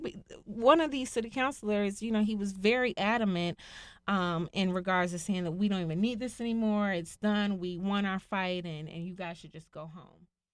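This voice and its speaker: A woman's plain, everyday voice at a medium pitch, with an American accent, at a moderate pace, on a very clean recording with a silent background. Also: lively intonation. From Washington DC / Maryland area. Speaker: cannabis activist. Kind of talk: interview.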